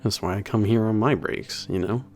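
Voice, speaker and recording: A man playing a big, burly, soft-hearted werewolf maintenance trainer in an ASMR roleplay, talking to the listener in a halting, casual, sweary and earnest way. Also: lowish voice, soft background music, natural voice. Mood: apologetic, encouraging. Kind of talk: ASMR roleplay audio drama, spoken to the listener.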